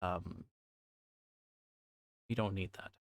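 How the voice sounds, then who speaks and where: A man livestreaming in casual chat, with a halting, repetitive and scattered way of talking. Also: sits low, steady tone, vocal fry, no echo.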